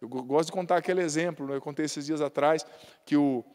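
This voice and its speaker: A man's voice: a little high, quick pace, darkish tone, big-room sound. A Brazilian man giving a Catholic sermon in a folksy, humorous way, often adding tag questions. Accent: Brazilian Portuguese. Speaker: Catholic priest.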